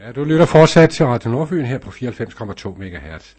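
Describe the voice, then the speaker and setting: A man's voice: mid-range voice, big pitch swings, darkish tone, breathy edge, faint music behind. A man hosting a local radio show from the studio, chatting casually and rambling with many fillers.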